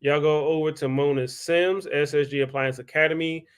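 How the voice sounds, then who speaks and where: A man's voice: fairly high pitch, steady tone, moderate pace, smooth. Chatty man hosting a live stream. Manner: loose and chatty, greets viewers by name. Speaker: host. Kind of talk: casual live-stream chat.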